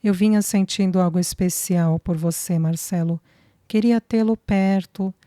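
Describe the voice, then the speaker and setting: A woman's voice: fairly low pitch, steady tone, a little slow, mellow, no room sound, lightly acted. A woman reading the lines of a young woman in love, fragile and hesitant, close to tears. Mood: tearful. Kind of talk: audiobook dialogue reading.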